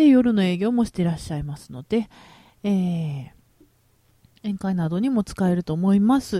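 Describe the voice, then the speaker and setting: In a dry, close sound with no echo, a woman speaks at a moderate pace in a medium pitch, her dark, mellow tone somewhat breathy, with lively intonation, big swings in loudness, and long, frequent pauses. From Osaka (Shinsaibashi). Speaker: podcast host, food reviewer. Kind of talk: casual solo monologue.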